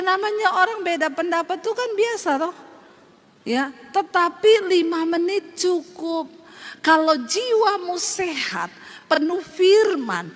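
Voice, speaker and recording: A woman pastor from Sulawesi with a Sulawesi Indonesian accent, preaching a lively, humorous sermon straight to her congregation. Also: very high voice. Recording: long hall reverb, faint noise.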